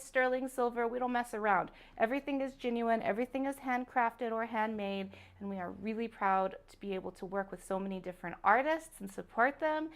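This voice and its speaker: Woman, live-stream jewelry host, slightly high voice, a little raspy, chatty, upbeat. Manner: chatty, upbeat, greets viewers by name. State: slight sore throat, a bit raspy. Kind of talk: live-stream sales chat.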